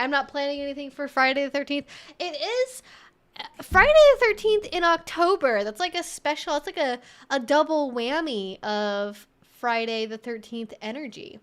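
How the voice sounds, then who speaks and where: High-voiced woman chatting on a livestream. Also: fairly bright tone, smooth. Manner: informal, rambling, thinking aloud. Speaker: livestream host and educator. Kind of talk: casual livestream Q&A chat.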